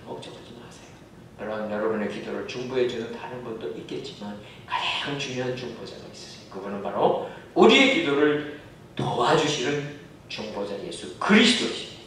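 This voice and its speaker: A man preaching a sermon to his congregation, often asking them questions. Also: fairly quick. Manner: asks the congregation questions, animated. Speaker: pastor. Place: church sanctuary. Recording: very echoey hall, mic far off, faint rumble.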